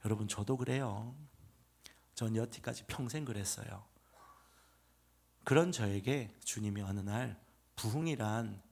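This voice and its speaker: A middle-aged male pastor with a Gyeongsang accent, preaching an emphatic revival sermon that swings from loud proclamation to hushed murmur. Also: medium pitch, vocal fry. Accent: Gyeongsang Korean.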